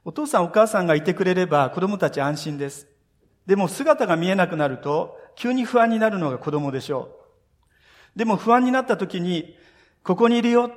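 Here the same kind of sermon comes at a brisk clip: a man with a high, expressive voice tells the story earnestly, speaks right to his listeners, and voices passages of scripture. It's captured in a church sanctuary with a long, hall-like reverb.

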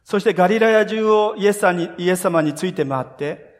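A male pastor's high, fairly quick voice carries through the long reverb of a church hall during a sermon in the sanctuary. Earnest in his storytelling, he addresses listeners directly and gives voice to scripture quotes.

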